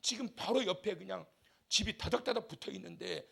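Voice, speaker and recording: A male pastor preaching a fervent revival sermon in a church, swinging from shouts to quiet asides and leading the congregation in call-and-response. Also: high voice, fairly quick, creaky, slightly rough. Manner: impassioned, shifts between shouting and soft asides. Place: church sanctuary.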